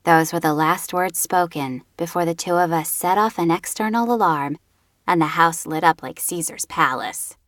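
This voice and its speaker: A woman reading a first-person audiobook in a measured, even way, recorded on a close studio mic in a booth. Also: fairly low pitch, no echo. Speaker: audiobook narrator.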